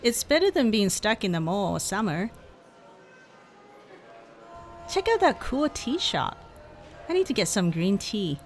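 A woman's voice: mid-range voice, big pitch swings, moderate pace, faint music behind. A young woman playing a chatty, upbeat student friend. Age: young adult.

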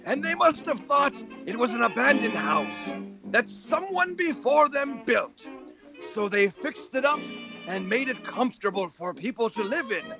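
A man as a creaky, brooding haunted uncle. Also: extremely high pitch, heavily acted. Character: haunted, world-weary old uncle, brooding and fatalistic. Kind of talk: horror story dramatic reading. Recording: dull lo-fi sound with music behind.

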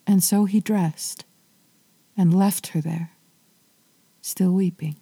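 A woman narrating an old myth as a podcast storyteller, in a measured, lyrical way. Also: mid-range voice, fairly even intonation, vocal fry, warm tone, breathy edge, dry recording.

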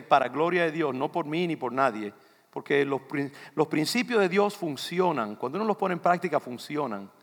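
An older man from the Dominican Republic with a Dominican accent, preaching a loose, conversational sermon that keeps turning to the congregation. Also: fairly high pitch. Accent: Dominican Spanish. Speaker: pastor. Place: church sanctuary. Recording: long reverb of a church hall.

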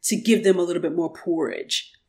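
A woman's voice: fairly low pitch, brisk, warm tone, breathy edge. A woman co-hosting a casual tech news podcast, chatty and polite in manner. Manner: chatty, polite, laughs easily. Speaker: podcast co-host.

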